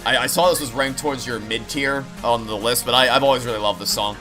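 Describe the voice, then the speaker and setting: Talking quickly in a medium pitch, a man hosts a game stream and rambles casually to his viewers about the playthrough. He tends to repeat himself and start phrases over, while a video game song plays behind him.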